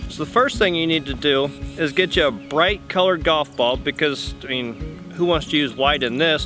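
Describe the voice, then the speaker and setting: Clear music sits in the background while a man talks at a fairly quick pace. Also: dry sound with no echo. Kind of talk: humorous tutorial. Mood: playful, tongue-in-cheek. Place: open country.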